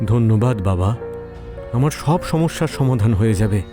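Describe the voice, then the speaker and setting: A man's voice: lowish voice, lively intonation, moderate pace, music in the background, voice pushed down, natural voice. A man voicing a poor, trusting villager who speaks earnestly and deferentially in a horror audio story. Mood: eager, deferential.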